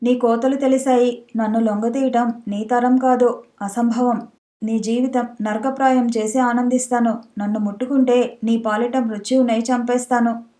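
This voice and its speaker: A woman's voice: a little high, steady tone, moderate pace, mellow, close to an everyday voice. A woman voicing a proud, angry young wealthy wife in a storybook reading, with a haughty, scornful manner. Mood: defiant.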